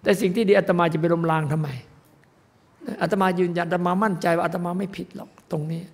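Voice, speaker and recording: An older monk delivers a sermon in a high, gravelly voice. His talk is emphatic and rambling, circling back on the same words. The sound carries a long echo from a large hall. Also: fairly even intonation, quick pace. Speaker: monk preacher. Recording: echoey hall.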